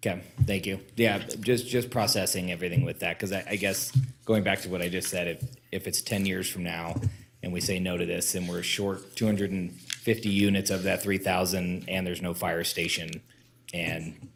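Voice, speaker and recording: A man with a deep, monotone voice reflects at a public meeting. He is halting and pensive, with some faint noise on the recording. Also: vocal fry. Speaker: planning commissioner.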